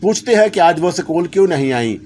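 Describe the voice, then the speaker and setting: A man's voice: high-pitched, expressive, a little fast, a little mellow, slight background noise, pitched above the performer's own voice. A sly, mischievous male jinn sidekick from a spoken horror story, teasing and coaxing with a slightly raised, playful voice, as a male narrator puts him on. He sounds like he is always needling, never serious.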